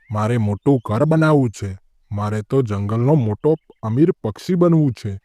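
A man voicing a sly, boastful husband crow in an animated moral story. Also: on the low side, no room sound, close to an everyday voice.

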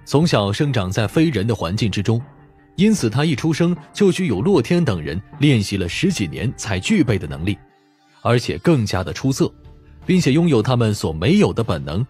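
A man's voice: mid-range voice, sing-song, moderate pace, a little mellow, breathy edge, faint music behind. A man narrating an audiobook as dramatic scripted storytelling.

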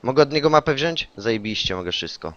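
Male streamer, casual gaming chatter, loud bursts on kills, mid-pitch, lo-fi stream mic. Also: quick pace, dry recording. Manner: excitable, swears, yells taunts in English on kills. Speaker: game streamer. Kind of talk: casual gaming chat with a teammate.

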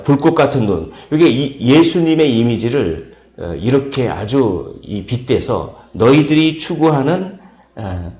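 A man preaching an early morning sermon as pastor, explaining step by step, repeating key words and pausing with fillers. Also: medium pitch, a little mellow, echoey room. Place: church sanctuary.

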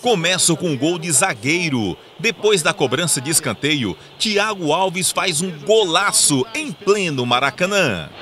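A man in his thirties presenting football goal highlights as host. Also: animated, a little slow, few pauses, bright, forceful tone. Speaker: sports show host. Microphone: lapel. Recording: outdoor recording with urban noise.

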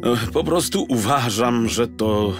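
A man's voice: mid-range voice, takes it slowly, music in the background, lightly acted. A man voicing a reluctant, self-doubting detective in a children's audiobook, hesitant and uneasy.

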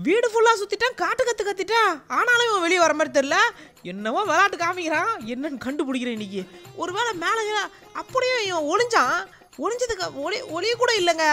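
Animated woman doing comic game role-play narration; bright, sharp voice. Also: very high-pitched. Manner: animated, exclaiming, calling out. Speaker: gaming channel narrator.

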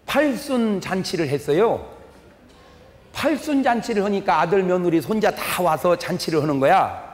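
Animated high-voiced preacher in an echoey hall. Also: male voice, normal speed. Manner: folksy storytelling, quizzes the audience, acts out quarrels. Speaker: pastor. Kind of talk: humorous revival sermon. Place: large church hall. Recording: echoey hall with long reverb.

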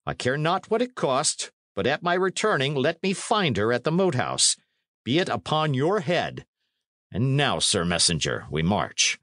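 A man's voice: medium pitch, sing-song, measured pace, a bit bright, dry recording, studio quality, voice pushed up. A man reading a storybook as a blustering, imperious medieval knight who barks orders in archaic speech. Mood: furious, commanding.

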